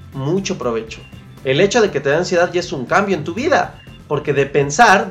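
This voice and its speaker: Mexican podcast host giving pep talk. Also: medium pitch. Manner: coaching, repeats key phrases, colloquial slang. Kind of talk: motivational podcast monologue.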